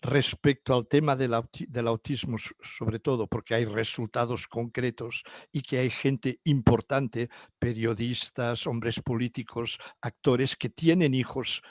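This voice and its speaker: A man's voice: medium pitch, fairly even intonation, unhurried, no echo. Older Catalan-native man, dry close sound. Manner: hesitant, many fillers and restarts. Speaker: guest psychologist. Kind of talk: interview answers.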